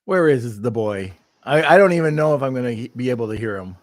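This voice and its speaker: A man's voice: medium pitch, expressive, fast talker, dry recording. A man hosting a live podcast over a video call, chatting casually, rambling and laughing at himself. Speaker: podcast host. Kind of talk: casual live-stream chat.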